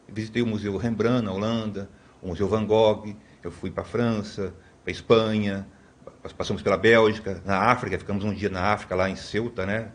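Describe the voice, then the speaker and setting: A man in his fifties from Brazil, a podcast guest telling long stories in a rambling way, with many tag questions and restarts. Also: on the low side. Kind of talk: conversational storytelling.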